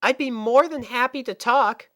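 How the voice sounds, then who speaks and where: Woman voicing a soft, timid, gentle Pegasus pony. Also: on the high side, normal speed, no room sound, clean studio sound, voice pushed up, natural voice. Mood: shy, gentle. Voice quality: soft, quiet. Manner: shy, hesitant, concerned.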